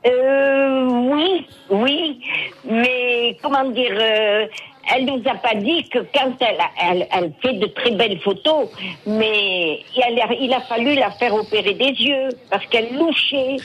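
A woman's voice: a little high, measured pace, a bit bright, rough recording. A woman in her eighties with a Provençal accent, calling in to a radio show and chatting cheerfully, laughing often. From Senegal. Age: 80s. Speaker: caller. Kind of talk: phone-in chat.

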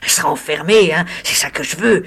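A woman's voice: fast, a bit bright, slightly rough, full character voice. A woman reading a short story, voicing a spiteful, greedy, disfigured old hag with a grating, cackling voice. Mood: shrill, sneering. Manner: wheedling, shrill, sneering.

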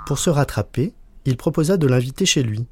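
A man reading a children's story with playful, lively timing. His voice is of middle pitch, and music plays clearly underneath. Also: a little fast, no echo.

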